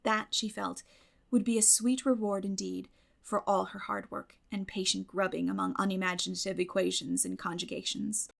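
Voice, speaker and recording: A woman audiobook narrator reading literary fiction expressively, with measured storytelling phrasing. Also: medium pitch, flat delivery, gravelly.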